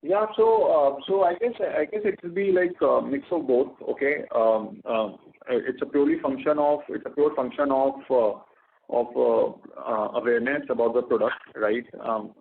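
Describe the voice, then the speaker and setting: Indian male executive, slightly husky, halting and repetitive, on a narrow phone conference line. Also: mid-range voice. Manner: halting, repeats words, tags phrases with okay and right. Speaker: company executive. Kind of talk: answering questions on an investor call.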